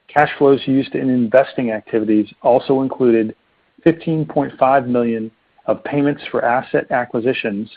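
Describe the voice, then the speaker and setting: A man delivers prepared financial remarks formally and evenly, like an executive on an earnings call. His voice is somewhat husky and of ordinary pitch. It comes through a very narrow telephone line. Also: no room sound. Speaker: company finance executive presenting results. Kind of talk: scripted earnings report narration. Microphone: telephone conference line. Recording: muffled narrow phone-line conference call.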